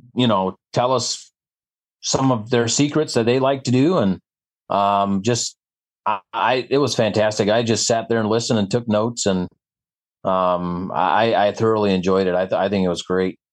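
An American accent comes through in an unremarkable speaking voice at a moderate pace, with ordinary pitch variation and very even loudness. The background is quiet. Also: man, fairly low pitch for a man. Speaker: podcast host. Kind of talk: casual chat. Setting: video call.

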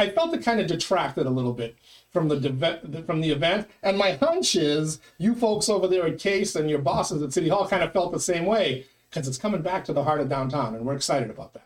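Speaking very fast with lively intonation, a man with an American accent uses a high pitch. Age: middle-aged. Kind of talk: casual chat; sponsor reading. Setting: studio.

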